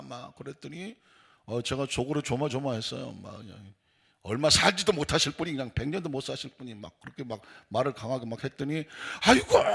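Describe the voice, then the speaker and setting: A man preaching with a gravelly, husky voice that sits a little high for a man. He talks in a folksy, emphatic way and keeps slipping into the voices of the people he quotes. This is a dawn sermon given in a church sanctuary. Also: sharp tone. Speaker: pastor. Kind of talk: animated dawn-service sermon.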